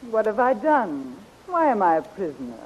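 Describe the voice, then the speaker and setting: A woman's voice: medium pitch, big pitch swings, normal speed, husky, dull audio. Haughty captive queen, swooping voice. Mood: indignant. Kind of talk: 1930s radio serial acting. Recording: hissy 1930s radio recording.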